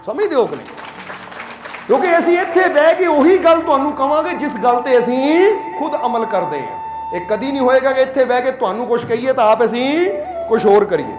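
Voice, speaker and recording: Over background music and crowd noise in an echoey room, a Punjabi spiritual leader delivers a storytelling sermon in plain, conversational language. His extremely high voice is animated and fairly quick, and he often asks whether the congregation understands.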